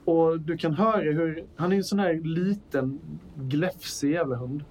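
A man's voice: on the high side, a little mellow. A man narrating as the game master of a tabletop role-playing game, in loose, chatty narration with fillers.

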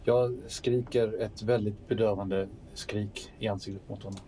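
A man's voice: fairly low pitch, steady tone, warm tone, a little hiss or hum, low-quality recording. A man playing his character in a tabletop role-playing game, with hesitant, short answers and restarts. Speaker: player. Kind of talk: casual tabletop role-play.

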